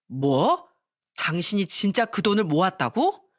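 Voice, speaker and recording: A woman's voice: medium pitch, big pitch swings, measured pace. A woman voicing an angry husband who scolds his wife coldly, in a story reading. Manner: harsh, scolding.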